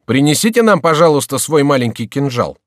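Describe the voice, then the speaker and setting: A man's voice: medium pitch, very animated, a little fast, dry recording, clean studio sound, voice pushed up, close to an everyday voice. A man voicing a rude young male courtier, insolent and mock-polite.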